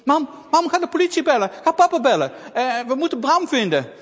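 A man voicing a brave, anxious little girl, raised high and pleading. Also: animated, brisk. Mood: panicked. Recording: long reverb.

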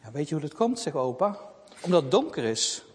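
A man voicing a gentle, devout old grandfather who talks softly and soothingly. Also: a little high, sing-song, slightly rough, pitched below the performer's own voice. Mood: tender. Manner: slow, soft and soothing. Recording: long reverb.

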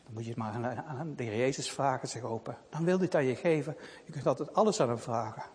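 A man voicing a gentle, devout old grandfather who talks softly and soothingly. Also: medium pitch, slightly rough, pitched below the performer's own voice. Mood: tender. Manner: slow, soft and soothing. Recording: long reverb.

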